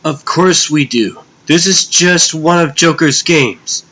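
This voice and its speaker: A man's voice: on the high side, slow pace, pushed and bright, pitched above the performer's own voice, full character voice. A man voicing an earnest, loyal young superhero sidekick with an urgent manner in a comic dub. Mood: earnest, reassuring.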